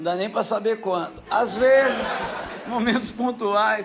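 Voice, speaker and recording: A man talks at a fairly slow pace with lively intonation. Noticeable background noise can be heard. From Rio Grande do Sul, Brazil. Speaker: stand-up comedian. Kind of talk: stand-up comedy routine. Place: stage. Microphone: handheld.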